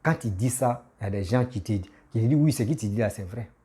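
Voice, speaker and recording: A man's voice: fairly low pitch, animated, fast, mellow, husky. Insistent man with a cold. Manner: insistent, repetitive, scolding. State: has a cold. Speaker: political commentator. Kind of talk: casual political rant.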